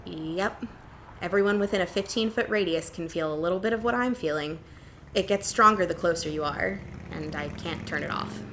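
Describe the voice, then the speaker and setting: Woman playing a low-pitched, wry cryptid empath. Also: moderate pace, a bit bright, a little hiss or hum. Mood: resigned, teasing. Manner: dry, teasing, casual. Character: wry, frank gray-skinned female cryptid empath. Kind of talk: audio drama dialogue.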